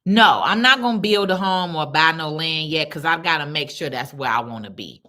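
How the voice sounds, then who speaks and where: A woman's voice: sits low, normal speed. A woman from Chicago with a Chicago accent, hosting a casual livestream on her phone and chatting bluntly with viewers in slangy talk. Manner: blunt, slangy and animated, calls viewers baby. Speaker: livestream host. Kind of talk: casual live chat answering comments.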